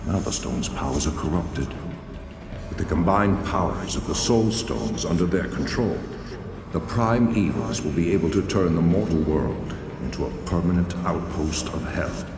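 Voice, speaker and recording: An actor voicing a noble, grave archangel in a dark fantasy game, speaking in a stately, formal and commanding way. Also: male voice, deep voice, lively intonation, normal speed. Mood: grave foreboding. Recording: echoing long hall reverb, noisy ambience.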